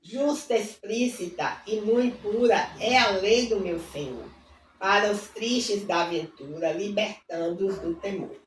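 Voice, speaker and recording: A woman hosting a devotional reading, fervently reading hymn lyrics aloud, adding warm asides, and leading a prayer. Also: mid-range voice, measured pace, slight background noise. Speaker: Bible reading host. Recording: roomy, distant mic with faint ambience.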